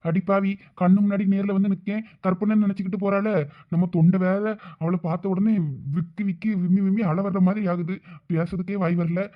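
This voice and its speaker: A woman's voice: mid-range voice, steady tone, a little fast, phone-quality sound, lightly acted. A woman voicing a remorseful young husband in a cartoon, pleading and apologetic, with a Thoothukudi Tamil accent. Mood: rueful.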